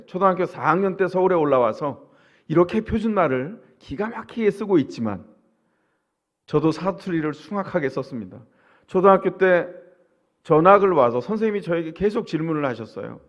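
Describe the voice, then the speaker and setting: A man's voice: a little high, animated, moderate pace, highs cut off. Man preaching in a conversational way. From Chungcheong, South Korea. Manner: conversational preaching, asks the congregation rhetorical questions. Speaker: pastor. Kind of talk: sermon.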